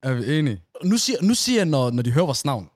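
A young man co-hosting a podcast, telling stories with a lot of stammering and repeated words. His voice is slightly high and swings up and down a lot. The sound is close and dry. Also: very animated, a little mellow, no room sound. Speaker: podcast co-host. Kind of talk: casual chat.

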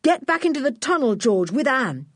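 A woman's voice: high voice, normal speed, no room sound, studio quality, pitched above the performer's own voice. A woman voicing a plucky boy who calls out urgent orders in an adventure storybook. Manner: excited, commanding.

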